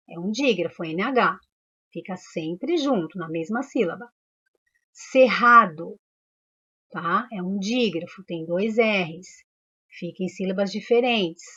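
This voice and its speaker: A woman's voice: mid-range voice, slightly rough. Female primary teacher, Brazilian Portuguese accent, patient step-by-step explainer, muffled recording. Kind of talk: recorded class lesson.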